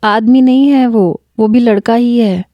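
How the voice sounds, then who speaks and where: A woman's voice: on the high side, no room sound, lo-fi sound, lightly acted. A woman voicing a confident, talkative young college girl in a storybook reading. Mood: brash. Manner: talkative, brash, self-assured.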